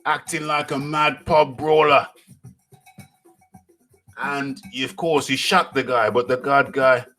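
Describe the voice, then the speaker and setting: Guy doing a live boxing talk stream, slow and punchy, bright sharp voice, keeps repeating himself. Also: mid-range voice, fairly even intonation, faint music behind. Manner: repeats phrases, hypes viewers, jokes around. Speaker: boxing talk show host.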